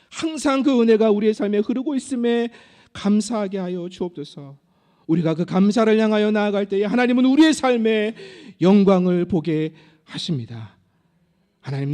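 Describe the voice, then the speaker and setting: A man's voice: sits high, darkish tone. A man preaching and leading an earnest, fervent prayer as the pastor of a church service. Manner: earnest, fervent praying with rising intensity. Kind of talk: sermon and closing prayer. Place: church sanctuary.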